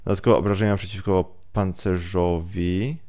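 Low-voiced man doing gameplay commentary. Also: fairly even intonation, moderate pace, warm tone. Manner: muttering, sweary, slips into English. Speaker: let's play host. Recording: game music behind.

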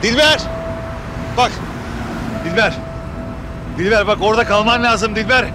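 An actor playing a doctor who urgently pleads with and calms a frightened patient in a hospital drama. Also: male voice, high-pitched, measured pace, background noise. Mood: pleading. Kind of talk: Arabic-dubbed hospital drama.

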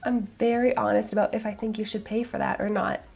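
A woman in her thirties, hoarse from a cold, gushing and candid as she reviews a product to camera in a small room. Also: mid-range voice, steady tone, fast, darkish tone, soft background music. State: hoarse, getting over a cold. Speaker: beauty vlogger. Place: small room in front of a floral backdrop.

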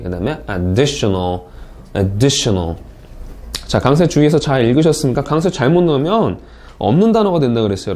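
A man teaching English speaking test strategies in a recorded online lecture, reading the example words slowly and clearly to show intonation. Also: medium pitch, a little mellow. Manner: upbeat, drills intonation with slow example readings.

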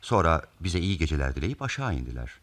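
Radio mystery detective, super low voice, calm, lays out the case step by step. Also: male voice, fast, full character voice. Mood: grave, reasoning. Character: calm, methodical male detective explaining a murder case. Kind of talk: radio theatre mystery acting.

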